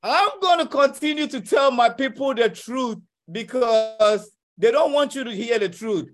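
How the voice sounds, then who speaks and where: A man's voice: very high voice, lively intonation, a little slow. A man co-hosting a radio talk show, arguing his point with passion, repeating himself and laughing often. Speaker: radio co-host. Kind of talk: heated talk-radio debate.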